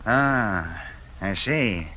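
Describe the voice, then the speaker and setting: An actor playing a brash, ambitious American investigator in a 1950s radio drama, folksy and halting. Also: male voice, fairly low pitch, expressive, sharp tone, exaggerated voice. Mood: eager. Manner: folksy, hesitant with many ums.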